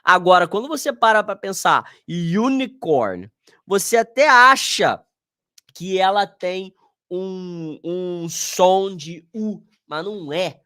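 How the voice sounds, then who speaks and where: A man's voice: high voice, expressive, takes it slowly, sharp tone, clear, resonant tone. A man with a Brazilian Portuguese accent teaching an online exam review lesson, casual and slangy, talking straight to his students.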